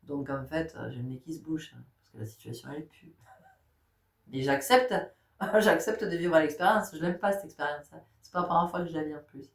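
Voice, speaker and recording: A woman's voice: low voice, a little fast. Chatty woman with a stuffy cold. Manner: chatty, speaks directly to listeners, laughs often. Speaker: spiritual guide. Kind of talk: casual spiritual talk. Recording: roomy sound, distant mic.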